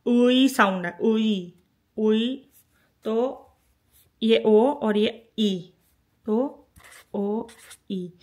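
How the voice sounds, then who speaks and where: Casting: woman teacher, slightly high voice, unhurried patient lesson delivery. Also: vocal fry. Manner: patient, repeats each sound several times; writes while explaining. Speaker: language teacher. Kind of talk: spoken lesson.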